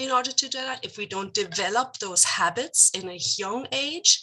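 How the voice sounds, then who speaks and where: A woman with a German accent, lively intonation and a fairly slow pace. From Germany. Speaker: book club participant. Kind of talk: casual discussion. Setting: video call. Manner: halting.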